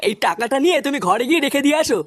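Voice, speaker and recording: Shrill, blustering cartoon village dad. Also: male voice, very fast, a little hiss or hum. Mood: eager, pleased. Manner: blustering, excitable. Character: hot-tempered, foul-mouthed village father and husband. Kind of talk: comic cartoon dub.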